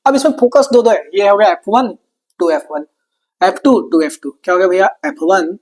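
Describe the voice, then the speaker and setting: A man's voice: sits high, animated. A man teaching an exam-prep science lesson, chatty and playful, asking questions and answering them himself like a student. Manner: chatty, plays both teacher and student in quick back-and-forth.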